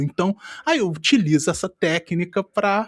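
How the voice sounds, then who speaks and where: A man's voice in a dry, close sound with no echo. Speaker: tech content creator. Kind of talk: casual chat. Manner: slow.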